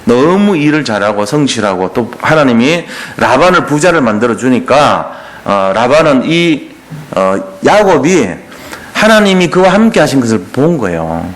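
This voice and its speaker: Lively-voiced man preaching a sermon. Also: mid-range voice, normal speed. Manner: conversational preaching, retelling scripture in everyday speech; asks the congregation questions. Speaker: pastor.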